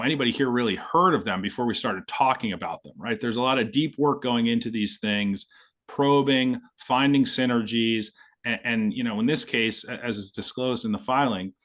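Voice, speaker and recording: Man, company executive, middle pitch, explanatory, unscripted earnings call remarks, lists points in parallel phrases. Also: a bit bright.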